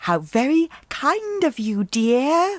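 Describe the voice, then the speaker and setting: A put-on character voice with very wide pitch swings. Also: female-sounding voice. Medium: read story. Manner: put-on old-woman voice, false sweetness.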